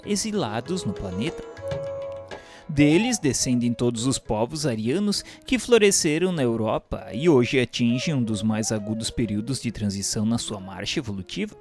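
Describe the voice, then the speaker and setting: A man's voice: medium pitch, darkish tone. A man reads a scripted spiritual history narration in a solemn, formal, literary manner. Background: music behind the voice.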